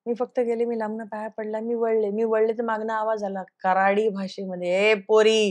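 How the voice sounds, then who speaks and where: A woman's voice: on the high side, level tone, a little fast, a little mellow. A woman, a television actress, tells a personal story in an interview. She acts out the dialogue she quotes and drops English phrases into her speech. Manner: earnest, recounts events by acting out quoted dialogue.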